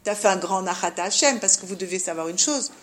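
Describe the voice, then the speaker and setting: A woman's voice: mid-range voice, expressive, quick pace, a bit bright, slight background noise. A woman giving an informal Jewish religious lesson to women, didactic, mixing Hebrew terms into her French and often checking that listeners follow. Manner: didactic, frequent check-in questions. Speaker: religious teacher.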